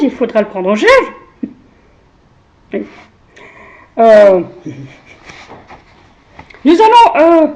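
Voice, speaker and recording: A woman leading a casual discussion, hesitant and halting, with many pauses and restarts. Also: very high-pitched, a little mellow, lo-fi sound.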